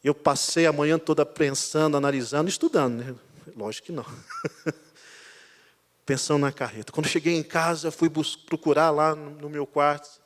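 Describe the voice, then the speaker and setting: A man, a pastor, preaching a sermon as a lively storyteller, swinging between loud and quiet passages. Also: a little high, moderate pace. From Brazil. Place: church sanctuary. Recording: church hall reverb.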